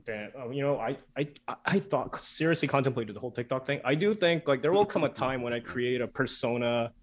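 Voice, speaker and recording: A man whose first language is Korean, talking as a guest author in a casual interview, relaxed and chatty with many fillers. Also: medium pitch, a little fast, a little hiss or hum. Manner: relaxed, chatty, frequent "like" and "you know" fillers, laughs easily.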